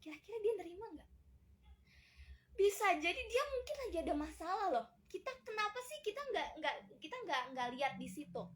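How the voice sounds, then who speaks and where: Bright-voiced indonesian lady counselor, chatty, acts out what people say. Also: very high-pitched, a little fast. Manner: chatty, acts out quoted lines with lively voices. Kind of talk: casual talk on parenting teens.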